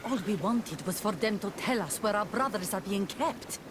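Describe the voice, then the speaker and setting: A woman's voice: mid-range voice, normal speed, lightly acted. A woman playing a wary native tribal fighter in a video game, terse and solemn. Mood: guarded. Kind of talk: video game cutscene acting. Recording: clear ambient noise behind.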